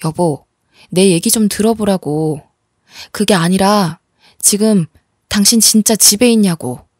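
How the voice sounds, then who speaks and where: A woman's voice: mid-range voice, measured pace, a little mellow, no room sound, clean studio sound, lightly acted. A woman voicing a young husband and father who presses his wife with questions in a storybook reading. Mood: pressing. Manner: presses questions, shaken then tender.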